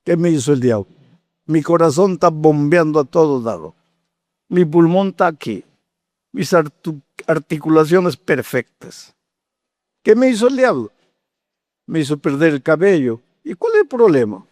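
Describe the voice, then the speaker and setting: Man, 80s, pastor delivering a sermon; slightly high voice, dry close sound, animated storyteller turning to urgent exhortation. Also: moderate pace, long pauses, no echo. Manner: storytelling preacher, acting out dialogue, rising to fervent exhortation.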